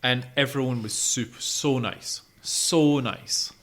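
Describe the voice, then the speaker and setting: A man's voice: mid-range voice, slow, fairly bright tone. A man co-hosting a podcast, chatting casually about gigs he has been to. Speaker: podcast co-host.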